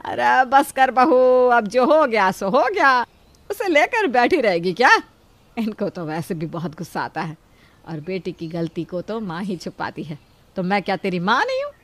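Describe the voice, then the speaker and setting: A woman's voice: medium pitch, very animated, normal speed, no echo. A middle-aged woman playing a kind, protective mother-in-law who scolds yet shields her daughter-in-law.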